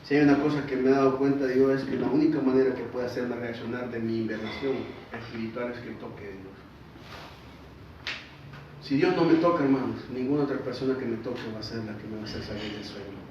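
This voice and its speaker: Pastor preaching in an echoey hall. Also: male voice, medium pitch, fast talker, noisy background. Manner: conversational preaching, asks the congregation questions. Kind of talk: sermon. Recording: distant echoey hall, dull sound.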